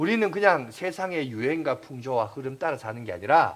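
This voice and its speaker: Speaking in a Gyeongsang accent at a moderate pace, a man uses very wide pitch swings. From South Korea, Gyeongsangbuk-do (Uiseong). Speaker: pastor. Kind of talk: sermon.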